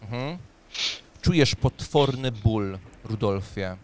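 A man's voice: on the low side, animated, takes it slowly, a little mellow, a little hiss or hum. A man in his thirties narrating as game master and giving rulings in a tabletop role-playing session. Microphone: studio mic on a boom arm, close.

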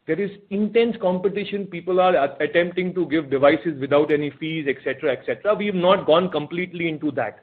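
A fairly high, husky male voice with an Indian accent comes over a narrow phone line. He is an executive fielding questions on a conference call, and he talks in halting stretches with repeated phrases. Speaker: company executive answering analysts. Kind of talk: earnings call answers, unscripted. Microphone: telephone conference call.

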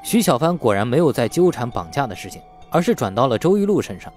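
Animated male audiobook narrator. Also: mid-range voice, fast talker, soft background music. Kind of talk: scripted novel narration with acted dialogue.

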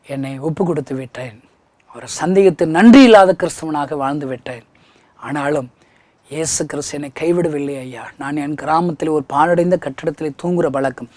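Male preacher, village Tamil accent, high voice, dry close sound, testimony sermon that rises from near-whisper to fervent pleading. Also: no room sound. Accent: Tamil Nadu village Tamil. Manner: swings from hushed to loud impassioned pleading.

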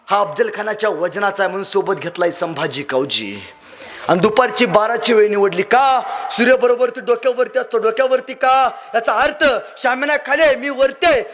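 A young man delivers a fiery storytelling speech. His voice sits very high for a man and rings bright and forceful. He declaims and repeats his phrases for emphasis. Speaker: public speaker.

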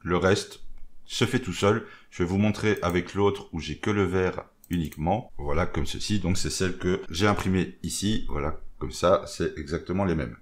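A man talking through a software tutorial in a relaxed way, narrating each step as he goes with little interjections and stumbling over English terms. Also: low voice, moderate pace. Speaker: maker explaining a software tool. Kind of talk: screen-recorded tutorial.

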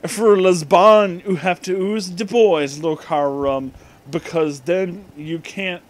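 Man putting on a high, scolding school principal. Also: steady tone, takes it slowly. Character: outraged, pompous school principal, male, scolding.

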